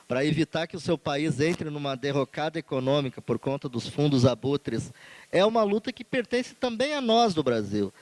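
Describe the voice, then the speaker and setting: A man's voice: fairly high pitch, darkish tone, dry recording, poor audio. Man, Brazilian Portuguese accent, union speaker, earnest rhetorical delivery, dry close sound. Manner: earnest, emphatic, rhetorical lists. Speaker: union leader speaking at a conference. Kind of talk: formal conference speech.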